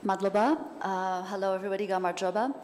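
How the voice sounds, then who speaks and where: A woman whose first language is Persian, a writer speaking as a panel guest in a thoughtful, measured way. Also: medium pitch, fairly even intonation, darkish tone. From Iran. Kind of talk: festival panel talk. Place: hall at a literature festival. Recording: hall reverb, faint noise.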